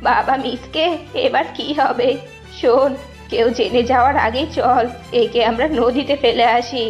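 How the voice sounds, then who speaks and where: Cartoon villain: a woman as greedy, bullying fox mother-in-law, high scolding voice, muffled sound with music. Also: fairly even intonation, a little slow, lightly acted. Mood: scheming. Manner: scolding, domineering. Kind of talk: children's cartoon story voice acting. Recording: dull lo-fi audio over music.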